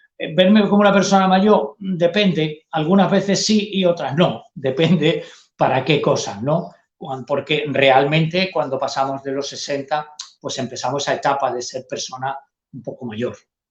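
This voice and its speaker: A man with an ordinary speaking voice, fairly high-pitched, with ordinary pitch variation, big swings in loudness and a moderate pace. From Andalusia, Huelva. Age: 60s. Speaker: poet and theatre teacher. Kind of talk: interview.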